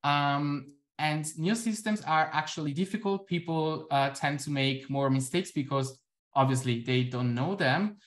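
A young Italian-speaking man presents his research at a conference over a video call, giving an academic talk and Q&A answer from a room at home. His fairly high voice moves a little slowly, explaining steadily with frequent ums, through a laptop webcam.

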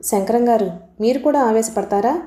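A gentle, persuasive young woman who keeps trying to calm others down, as the narrator reads her. Her voice is fairly high and mellow, with a roomy echo around it. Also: normal speed, close to an everyday voice. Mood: pleading.

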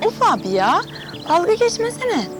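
An actress playing an earnest, excitable young woman, a little sister who loves to draw. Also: very high voice, normal speed, exaggerated voice. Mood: worried. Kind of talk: TV drama acting. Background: music.

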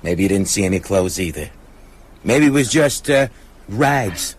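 A man's voice: lowish voice, animated, unhurried, husky. An actor in a radio drama playing a manipulative small-town businessman with an insinuating, coaxing manner. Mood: veiled threat.

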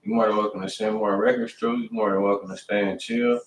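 A man's voice: on the low side, level tone, quick pace, roomy sound, distant mic, low-quality recording. A man in his thirties hosting a casual livestream from a home studio, talking in laid-back slang and swearing freely. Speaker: host.

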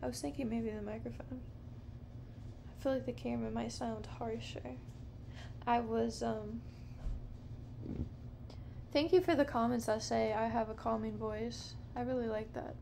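A woman in her thirties hosting a podcast alone, rambling slowly and softly in a dim living room at night, with many fillers. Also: on the high side, steady tone, vocal fry, slight background noise. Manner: slow, meandering, soft-spoken with many fillers. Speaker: podcast host. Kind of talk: rambling casual monologue. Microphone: camera close up, handheld or on a low stand.

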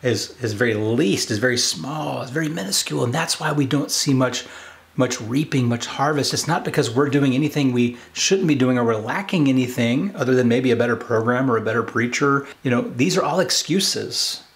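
A man's voice: medium pitch, brisk, gravelly. Earnest man preaching to camera. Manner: earnest, emphatic, repeats phrases for emphasis. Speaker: preacher, video host. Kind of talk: sermon-like exhortation to camera. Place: home study with bookshelves, indoors.

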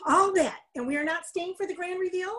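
A middle-aged woman playing a fussy, impatient, excitable mother in a staged reading, with a fluttery manner. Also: very high voice, brisk.

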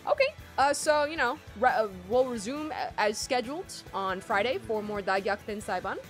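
A young woman hosting a casual game stream, loud and excitable, her throat strained from screaming. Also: on the high side, moderate pace. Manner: loud, excitable, shrieks at plays. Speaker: streamer host. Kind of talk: casual gaming stream chat. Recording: light game music behind.

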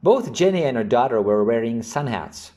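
A man hosting an English vocabulary lesson, reading example sentences and definitions slowly and clearly. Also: medium pitch, expressive, warm tone. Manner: slow, carefully enunciated reading of example sentences. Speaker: English teacher.

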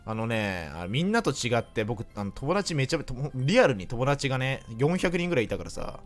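Briskly and with big pitch swings in a medium voice, a man streams a video game, joking casually, teasing, and talking to himself and his audience while faint music plays.

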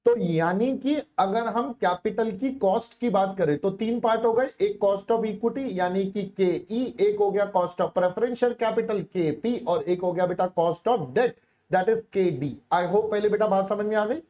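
A man's voice: high-pitched, measured pace, darkish tone. A male teacher leads a live online class in a coaxing, repetitive way. He checks in often and slips English phrases into his explanations. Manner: coaxing, repeats phrases, calls students "beta".

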